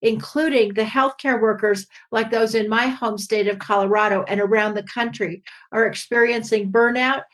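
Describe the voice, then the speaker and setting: A woman politician delivering a measured, formal prepared speech. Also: a little high, steady tone, fairly bright tone, poor audio.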